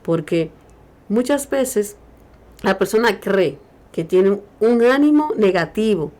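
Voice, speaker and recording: A woman talks on a Christian radio program. She preaches emphatically and lifts her voice whenever she quotes scripture. Her pitch sits in the middle range. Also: lively intonation, takes it slowly, a little mellow. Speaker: radio show co-host.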